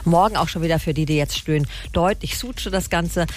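A man's voice: on the high side, brisk. A man presenting weather and traffic on regional radio in a chatty, upbeat, jokey way. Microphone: studio microphone. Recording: radio broadcast with music under the voice.

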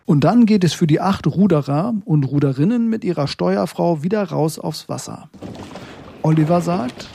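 A man reading a news report as scripted narration, in a measured way. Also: on the high side, expressive, gravelly, dark tone, a little hiss or hum.

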